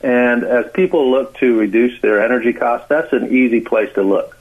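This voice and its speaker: An American man explaining as a radio interview guest, calling in, with halting speech full of uhs and repeated words. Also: medium pitch. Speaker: interview guest, clean energy expert. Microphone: phone call. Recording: tinny, narrow phone line.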